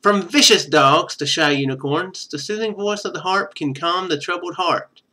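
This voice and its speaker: Male let's-play streamer, bright forceful tone, slightly high pitch, reads game text and comments casually. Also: normal speed. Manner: thinks aloud while playing.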